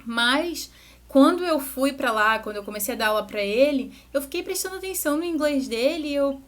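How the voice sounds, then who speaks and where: A young woman with a slightly high voice talks parents through a lesson. She is a music teacher, and her delivery is loose and conversational, full of little asides and restarted sentences. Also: lively intonation, fairly quick. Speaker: music teacher and channel host. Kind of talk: educational talk to parents.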